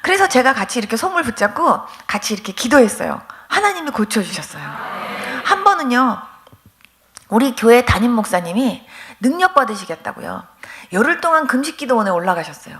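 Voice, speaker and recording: Woman pastor telling a lively testimony. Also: fairly high pitch, brisk. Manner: lively storytelling, acting out dialogues. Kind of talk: testimony sermon.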